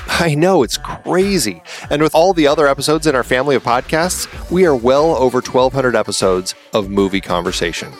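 A man's voice: medium pitch, animated, fairly quick, hardly any pauses, faint music behind. A man co-hosting a film podcast, bantering through a scripted sponsor and merch spot in a mock-sarcastic way. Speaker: podcast host. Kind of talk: scripted ad read.

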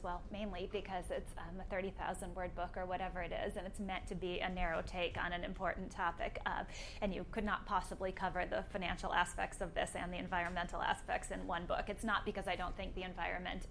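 A soft-voiced woman answers questions as an author before a live audience. She speaks into a stage microphone at a middling pitch and weighs her words, often restarting mid-sentence. A faint hum of the hall sits behind her. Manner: thoughtful, with frequent fillers and restarts. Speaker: author being interviewed. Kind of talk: live public conversation.

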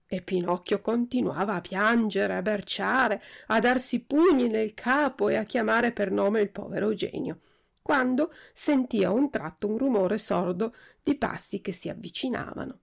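A woman narrating a storybook with an expressive, steady delivery. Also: mid-range voice, normal speed, gravelly. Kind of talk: storybook reading.

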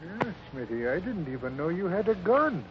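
A man's voice: high voice, very animated, normal speed. A man playing a curious, kindly cowboy ranch hand, folksy and concerned, in a 1950s radio western. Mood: puzzled. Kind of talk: 1950s radio drama acting. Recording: dull, faintly noisy 1950s radio recording.

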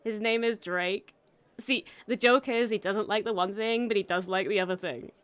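A woman's voice: mid-range voice, moderate pace, smooth, no room sound, natural voice. A woman playing a chatty, prim and officious office manager in a black comedy audio drama. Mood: giddy, amused.

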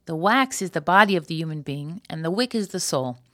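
A woman reading the part of a wise, solemn male rabbi in a story, measured and instructive. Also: lowish voice, expressive, pushed and bright, no echo, clean studio sound. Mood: solemn, teaching.

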